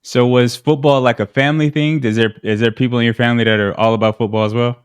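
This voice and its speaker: A man's voice: medium pitch, steady tone, fast talker, clear, resonant tone. A man hosting a sports pregame show, chatty and informal, firing off follow-up questions. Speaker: sports radio host.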